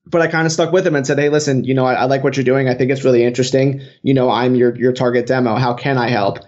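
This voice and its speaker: A man's voice: mid-range voice, little pitch movement, quick pace, a little mellow. Interview guest, late-20s man, earnest storyteller, muffled lo-fi audio. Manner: earnest, fluent with some "you know" fillers. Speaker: guest, social media marketer. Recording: dull lo-fi sound.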